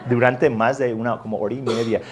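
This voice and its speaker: A man telling a lively, self-mocking anecdote as part of a sermon, jumping into the voices of the people in the story. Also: mid-range voice, fairly quick, a crowd in the background. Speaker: preacher.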